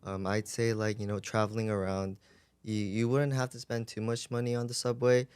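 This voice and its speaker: A man chatting casually on a podcast, relaxed, with many likes and ums. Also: fairly low pitch, normal speed, clean tone, no room sound.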